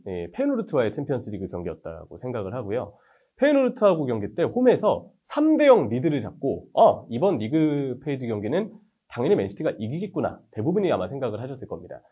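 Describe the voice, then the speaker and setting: A man's voice: medium pitch, slightly rough, dull audio. A man working as a football commentator, giving interview answers in an analytical style and asking rhetorical questions. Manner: fast, animated analytical delivery with rhetorical questions.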